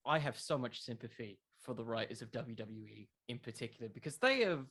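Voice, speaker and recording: A man's voice: mid-range voice, a bit bright. A man speaking as a podcast creator in a casual interview, conversational and emphatic, with a self-deprecating way of talking.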